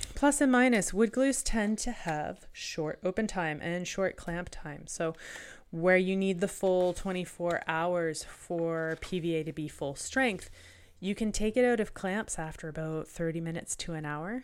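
With a Canadian accent, a woman speaks at a medium pitch using lively intonation. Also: fairly slow pace, very clean recording, silent background. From Canada. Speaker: woodworking podcaster. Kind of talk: solo educational podcast.

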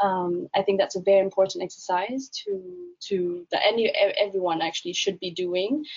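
A woman with an American accent speaks at a moderate pace in a plain, everyday voice. Her pitch is medium, with ordinary pitch variation. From Vietnam (Hanoi), schooled in the US. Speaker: author. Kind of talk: interview.

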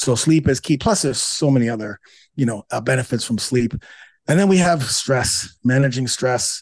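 A man talks at a moderate pace with a medium pitch. He has an unremarkable speaking voice. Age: 50s. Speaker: fitness coach and former pro athlete. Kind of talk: casual chat.

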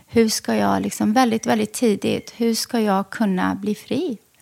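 A woman talks at a moderate pace, and the sound is dry and close with no echo. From Sweden. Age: 40s. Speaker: tech executive and cancer patient. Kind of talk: interview.

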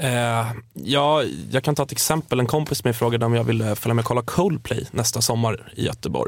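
Speaking at a moderate pace, a man has an unremarkable speaking voice with a medium pitch and ordinary pitch variation. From Stockholm, Bromma. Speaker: football supporter. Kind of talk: casual chat. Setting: studio.

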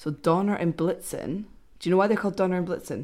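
A woman's fairly low, dark and mellow voice with a Scottish accent. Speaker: podcast host. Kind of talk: casual chat. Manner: animated.

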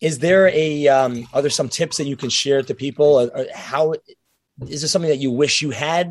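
Speaking at a moderate pace with fairly even intonation, a man has an unremarkable speaking voice and a fairly high pitch. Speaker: podcast host. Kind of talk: casual interview chat. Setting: video call.

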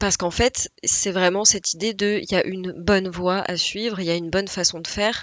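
A woman's medium-pitched, fairly even voice at a fairly slow pace. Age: 20s. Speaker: podcast host. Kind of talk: solo monologue.

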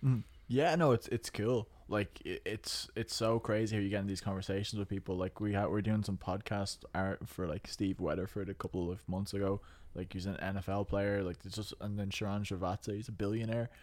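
Speaking at a fairly quick pace, a man with a fairly low pitch keeps his intonation fairly even on a very clean recording with a silent background. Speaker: personal trainer and entrepreneur. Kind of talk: casual chat. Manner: soft-spoken, speaks fiercely not loudly.

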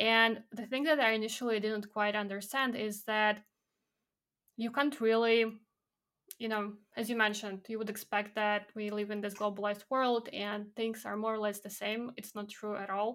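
The woman's intonation stays monotone and flat. She keeps a moderate pace. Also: fairly high pitch for a woman. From Belarus. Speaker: software engineer and immigration coach. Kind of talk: casual interview chat.

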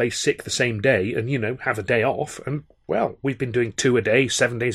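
This is a natural reading voice. It carries the text aloud.

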